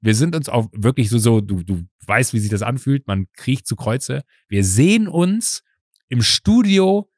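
A man's voice: medium pitch, unhurried, breathy edge, no room sound, clean studio sound. A man hosting a podcast, telling a long anecdote in casual chat and acting out the voices of the people in it. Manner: animated storyteller acting out quoted voices. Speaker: podcast host.

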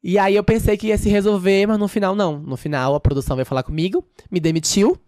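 A woman's voice: mid-range voice, dry recording, clean studio sound. A trans woman, a dancer and podcast guest, telling a story in a casual interview and acting out what others said. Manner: fast, animated retelling that acts out others' quoted speech. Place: podcast studio.

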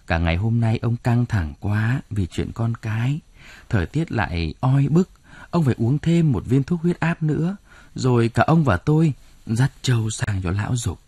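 A distraught aging village mother wails and pleads in a raised voice, as a man puts her on. The tone is mellow and husky, and it swings widely in pitch. It sounds close and dry, like a storybook reading. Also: expressive, moderate pace, dry recording. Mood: gentle. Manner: wailing, pleading.

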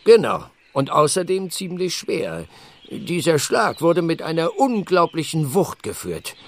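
An actor playing a blunt, sardonic village doctor in a German radio play, dry and explanatory. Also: male voice, on the high side, big pitch swings, measured pace. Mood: matter-of-fact.

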